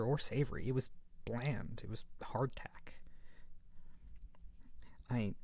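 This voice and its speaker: A man playing a gentle, fluffy monster from under the bed in a soft-spoken ASMR roleplay, hesitant and reassuring, very close to the mic. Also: mid-range voice, no echo. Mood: tender, cozy. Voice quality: soft, breathy at times. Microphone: very close to the microphone.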